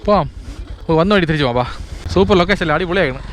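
A man with a slightly high voice and a Trivandrum Malayalam accent talks quickly over clear vehicle and outdoor noise. He gives casual, chatty commentary from a bike ride, dropping English words into his Malayalam. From Kerala, India. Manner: chatty, repetitive exclamations. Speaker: motorbike vlogger. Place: outdoors on a moving motorbike. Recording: noisy outdoor recording with traffic and engine.

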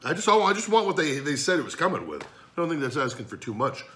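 A man's voice: fairly high pitch, sing-song, fast talker, fairly bright tone, a little hiss or hum. A man talking with his mouth full while eating on camera, crude and blunt, swearing as he rambles. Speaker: mukbang vlogger. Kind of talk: casual chat while eating.

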